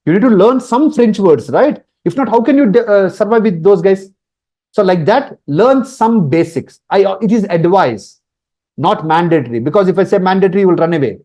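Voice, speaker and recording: High-pitched Telugu-accented man teaching informally. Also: expressive, normal speed, a little mellow. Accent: Telugu Indian. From India. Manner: repetitive, emphatic, checks in with "okay" and "right". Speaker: instructor.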